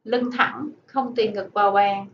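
A woman primary school teacher dictating to children, speaking deliberately and enunciating word by word. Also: mid-range voice, steady tone. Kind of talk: slow dictation-style lesson for children. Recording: echoey room, dull sound, faint noise.

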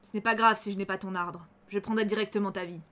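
A woman's voice: mid-range voice, steady tone, a bit bright, pitched below the performer's own voice, close to an everyday voice. A woman voicing a vengeful tree spirit villain. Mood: menacing. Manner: slow, menacing delivery.

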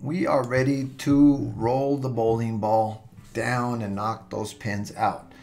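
A man walking through a software tutorial step by step, relaxed and thinking aloud with fillers and restarts, recorded at his computer with soft music underneath. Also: medium pitch, takes it slowly, vocal fry.

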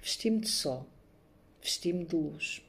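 A middle-aged woman, introducing herself and reading her poems in a measured, soft-spoken way, recorded on a phone at home. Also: sits low, lively intonation, vocal fry, husky. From born in Angola, raised there. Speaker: poet and maths teacher. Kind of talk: self-introduction and poetry reading. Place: home room, indoors. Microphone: phone camera at arm's length.

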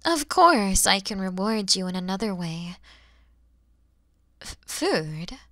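Slow, bright motherly dragon woman, acted by a woman. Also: medium pitch, big pitch swings, dry recording, clean studio sound, full character voice. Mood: surprised, curious. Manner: breathy, often dropping into whispers, theatrical pauses. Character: motherly dragon woman, centuries old, proud yet kind and mature. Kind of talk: ASMR roleplay acting.

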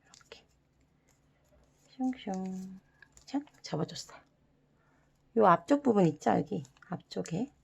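A young woman hosting an origami tutorial for children, giving soft, half-whispered step-by-step instructions with playful sound words. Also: lowish voice, creaky, husky. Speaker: origami channel host.

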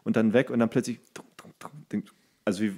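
Man chatting casually, halting storyteller. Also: on the low side, level tone, a little mellow. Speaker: podcast co-host. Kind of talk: casual chat, anecdotes.

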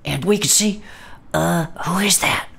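A woman's voice: on the low side, a little slow, gravelly, fairly bright tone, slightly rough. A woman co-hosting and playing in an audio drama, recapping the story in a folksy, conspiratorial way. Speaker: co-host and player. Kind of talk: chatty in-character story recap.

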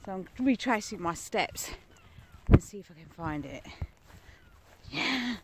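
A middle-aged woman vlogging casually from her phone outdoors, chatty, laughing often and dropping into breathy asides. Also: mid-range voice, lively intonation, a little slow, very noisy. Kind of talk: casual vlog narration. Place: outdoors on windy coast and town streets. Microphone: phone at arm's length.

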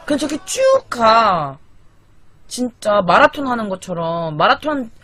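A young Korean woman livestreams late at night from her small apartment through a desk microphone while her sister sleeps in the loft, casually swearing and venting in exasperation. Her voice is a little high and sing-song at a measured pace, and the recording is very noisy.

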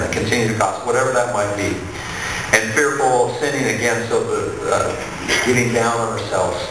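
A man's voice: lowish voice, noisy background. A man in his thirties, a priest giving a sermon from a lectern in a large church, with an earnest, repetitive preaching cadence. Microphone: gooseneck mic on a lectern. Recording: echoey church from far off.

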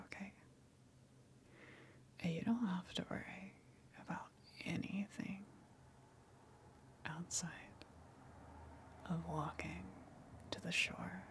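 A woman voicing a luring tentacled sea monster in an ASMR roleplay, coaxing softly in a breathy, hushed whisper with long pauses. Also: lowish voice.

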